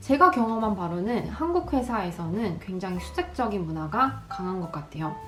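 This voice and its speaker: A woman at a moderate pace with hardly any pauses and big swings in loudness, audible room echo and music in the background. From South Korea. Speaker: vlogger, digital marketer. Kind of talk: casual vlog talk.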